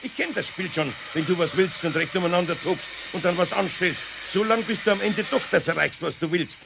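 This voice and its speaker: An actor playing an older, good-natured but grumbling master carpenter in a children's audio play, with a Bavarian accent and a gravelly, husky voice. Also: male voice, high voice, fairly quick, background noise. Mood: firm, scolding.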